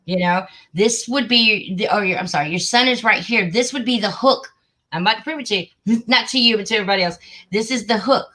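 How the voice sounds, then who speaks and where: Chatty woman on a livestream, bright voice, gets excited, mutters to herself. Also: mid-range voice, fairly quick, low-quality recording. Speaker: livestream host. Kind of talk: casual livestream chat.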